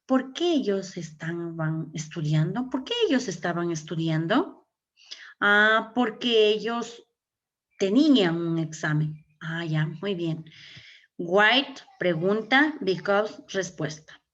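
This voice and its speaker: A woman's voice: fairly low pitch, lively intonation, takes it slowly. Spanish-accented woman teaching over a call. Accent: Ecuadorian Spanish. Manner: explains step by step with many checks like "¿ok?" and "¿verdad?". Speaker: English teacher. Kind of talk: online class lecture. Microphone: computer mic on a video call. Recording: dull lo-fi video call audio.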